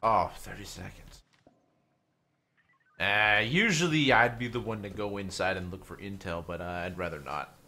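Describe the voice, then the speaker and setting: A man's voice: lowish voice, moderate pace, bright, forceful tone. A man rambling casually and swearing as he livestreams a game. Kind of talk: casual livestream chat over gameplay.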